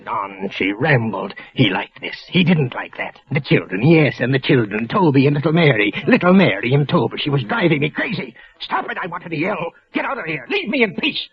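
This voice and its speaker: A frantic guilt-crazed killer. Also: male voice, on the high side, very animated, a little fast, few pauses. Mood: seething. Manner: frantic, stammering, paranoid inner monologue. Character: guilt-crazed male office killer hearing voices. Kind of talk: 1940s radio acting. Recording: muffled old radio broadcast.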